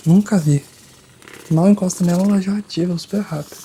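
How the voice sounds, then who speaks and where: A Brazilian ASMR voice in a medium register, soft and mellow, roleplaying a chiropractor. The talk is casual, chatty and full of light joking. A noticeable machine noise runs behind the voice. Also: medium pitch, a little fast. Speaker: ASMR creator playing a chiropractor.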